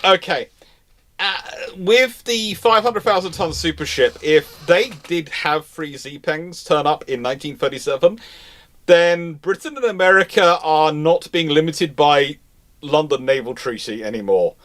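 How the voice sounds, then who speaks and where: A man's voice: fairly high pitch, expressive, unhurried, a bit bright. A man hosting a live stream, chatting casually and answering questions in a rambling, self-interrupting way. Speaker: host of a naval history live stream.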